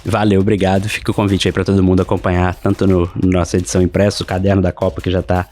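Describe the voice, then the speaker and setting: A Brazilian man, a newspaper editor, answering questions in a podcast interview, quick and hesitant with repeated words. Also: sits low, level tone, darkish tone. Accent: Brazilian Portuguese. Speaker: newspaper sports editor, guest.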